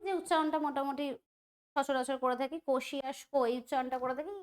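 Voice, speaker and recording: A woman's voice: high-pitched, steady tone, fast. A woman teaching an online quiz lesson, chatty and thinking aloud, often asking the students questions. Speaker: exam prep teacher.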